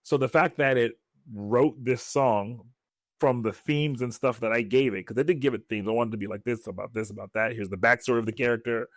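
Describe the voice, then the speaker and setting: Lively man on a dry podcast mic. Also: mid-range voice, a little fast, no echo. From West Africa. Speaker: podcast co-host. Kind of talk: casual chat.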